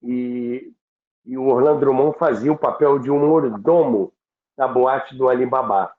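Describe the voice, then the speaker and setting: A man with a Brazilian accent telling anecdotes deliberately and haltingly on a podcast, repeating himself for emphasis. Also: mid-range voice. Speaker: radio history storyteller on a podcast. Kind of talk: anecdotal storytelling talk. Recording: roomy, tinny phone-like sound.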